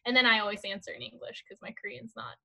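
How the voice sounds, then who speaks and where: A woman's voice: fairly high pitch, steady tone, fast, creaky, pushed and bright. A woman talking casually in an interview, full of "like" fillers and restarts. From United States. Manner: chatty, many "like" fillers and restarts. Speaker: guest.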